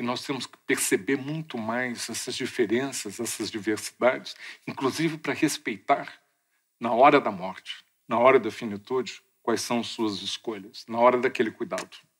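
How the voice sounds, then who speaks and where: The man has an unremarkable speaking voice at a medium pitch, with ordinary pitch variation. He keeps a moderate pace, though his loudness swings widely. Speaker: physician and ageing researcher. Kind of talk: lecture.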